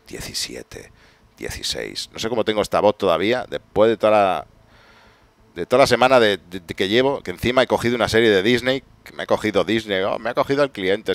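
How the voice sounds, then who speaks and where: A gaming streamer with a Spain Spanish accent and a fairly low voice comments casually on his live gameplay, rambling and poking fun at himself while sounding tired. The recording is dry.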